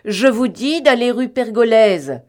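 A woman's voice: on the low side, very animated, measured pace, full character voice. A woman reading the part of a proud, shrewd English detective, with clipped, commanding speech. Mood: angry. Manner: clipped, commanding, turns sharp and shouting when alarmed.

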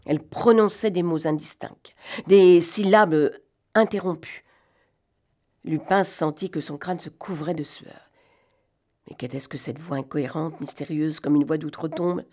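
Woman, lowish voice, literary reading, expressive and suspenseful. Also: unhurried. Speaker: reader.

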